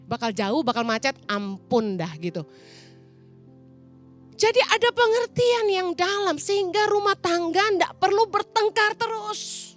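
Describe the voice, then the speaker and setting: A woman's voice: extremely high pitch, a bit bright. A middle-aged woman pastor, preaching a chatty storytelling sermon and acting out voices. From Indonesia. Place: church auditorium.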